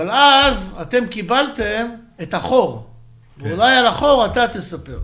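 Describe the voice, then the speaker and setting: A man's raised, projected voice at an extremely high pitch, lively in intonation and fairly slow, with audible room echo. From Israel, Jerusalem. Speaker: podcast co-host. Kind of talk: casual interview.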